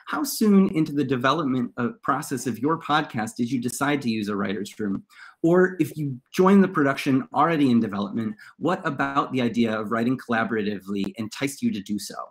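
Male moderator, thirties, medium pitch, presenting to a panel over a video call. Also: expressive, fairly quick. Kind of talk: reading scripted introductions, moderating a panel.

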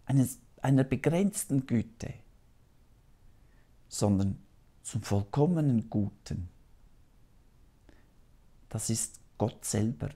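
A priest in his fifties preaches a solemn sermon to camera from a small TV studio. He speaks very slowly and earnestly, in a dark, mellow voice with a gravelly edge. The lapel mic keeps him close and clear. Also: medium pitch. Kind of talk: televised sermon.

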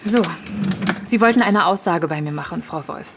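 A woman's voice: lowish voice, moderate pace, background noise, natural voice. An actress in an audio drama playing a firm, matter-of-fact female police detective. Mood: businesslike.

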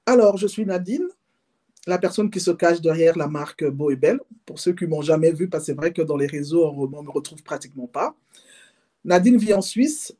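Mellow-voiced Congolese woman, interview guest. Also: sits low, moderate pace. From Democratic Republic of the Congo. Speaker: interview guest, handbag maker. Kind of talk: casual autobiographical interview talk.

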